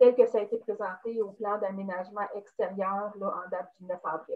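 A woman's monotone, flat delivery at a fairly slow pace. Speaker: municipal council member. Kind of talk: formal reading of a resolution. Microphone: video call.

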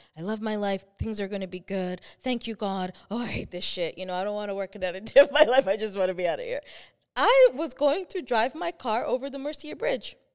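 Against a quiet background, a woman with a fairly high voice talks at a fairly quick pace with lively intonation. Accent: slight Long Island. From Long Island, New York; New York. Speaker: author and blogger; podcast guest. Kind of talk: casual interview chat. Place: studio. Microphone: studio mic.

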